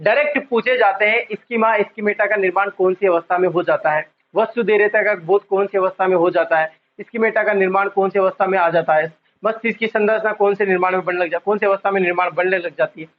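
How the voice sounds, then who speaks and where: A man's voice: high voice, steady tone, narrow, tinny audio. A male psychology teacher giving an online exam-prep lecture, repeating key terms and quizzing the class often, drawing out the important words. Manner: drawn-out emphasis on key words.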